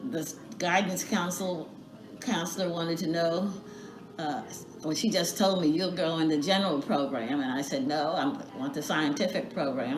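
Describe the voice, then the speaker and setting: A woman with an American accent speaks at a moderate pace in a fairly low pitch, her intonation lively, with noticeable background noise and audible room echo. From New Jersey. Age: 90s. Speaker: civil rights activist. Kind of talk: interview. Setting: pre-recorded video.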